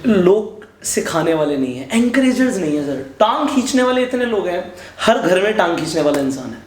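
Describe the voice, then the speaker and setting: High-voiced young man hosting in an echoey room. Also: moderate pace, a little hiss or hum. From India. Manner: animated, mixes Hindi and English, eager agreement. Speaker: host, stock market educator. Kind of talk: casual interview chat.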